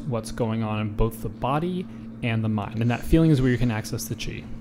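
A man speaks at a medium pitch with ordinary pitch variation. Noticeable background noise sits behind him. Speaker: acupuncturist. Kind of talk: casual interview chat.

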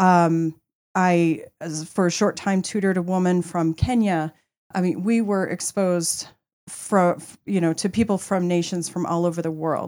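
A woman with an ordinary speaking voice, fairly low pitch, fairly even intonation and moderate pace, in a very clean recording with a silent background. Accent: American. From Colorado. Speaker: panel guest. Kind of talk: casual discussion.

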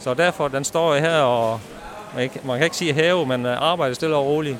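Noticeable background noise runs beneath a man who speaks at a moderate speed. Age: 50s. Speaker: baker. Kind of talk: guided tour explanation.

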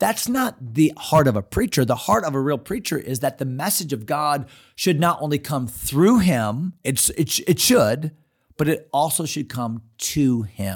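On a very clean recording with a silent background, a somewhat breathy man with a fairly high pitch talks at a fairly slow pace, his pitch swinging very widely. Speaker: pastor. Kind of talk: Bible teaching. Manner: stutters, repeats words.

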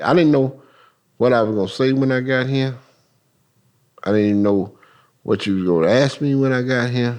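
Against a quiet background, a man at a medium pitch talks at a fairly quick pace with long, frequent pauses, very even loudness, and ordinary pitch variation. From Marietta, Georgia (US South). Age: 50s. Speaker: moving company owner. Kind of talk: casual chat.

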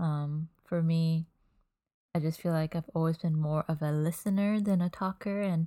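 At a moderate pace, a woman with a fairly low pitch talks with fairly even intonation in a very clean recording, silent background, the sound dry and close with no echo. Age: 20s. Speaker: podcast host. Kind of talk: solo podcast monologue, casual. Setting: at home in bed, self-recorded. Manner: not a big talker, halting.

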